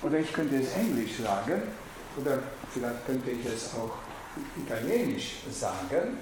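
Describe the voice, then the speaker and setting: A man with a Hungarian accent gives a reflective lecture, halting and searching for words, with frequent restarts. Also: medium pitch, sing-song, background noise. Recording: very echoey room.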